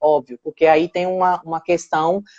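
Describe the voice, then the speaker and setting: The woman's voice sits at a fairly low pitch. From Brazilian Northeast. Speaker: psychologist. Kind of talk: live interview. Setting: online live stream.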